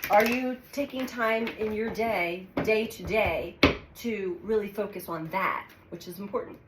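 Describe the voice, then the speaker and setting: A woman giving a weekly tarot reading in a calm, unhurried way, congested from a cold and pausing as she draws cards. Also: mid-range voice. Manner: calm, unhurried, speaks with pauses while drawing cards. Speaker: tarot reader. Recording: echoey room with audible background noise.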